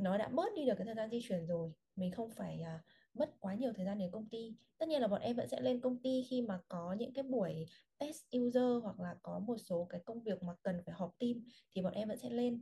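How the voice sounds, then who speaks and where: Her tone is dark and mellow, somewhat breathy, at a fairly high pitch. The woman talks at a fairly quick pace with lively intonation. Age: 20s. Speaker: UX writer. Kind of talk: casual interview chat.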